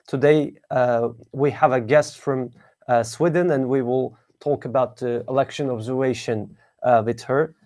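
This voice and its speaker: A man's voice: medium pitch, fairly even intonation, unhurried, a little mellow. A man with a Turkish accent hosting an interview in English as a second language, searching for his words as he goes. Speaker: interviewer, programme host. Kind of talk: interview questions.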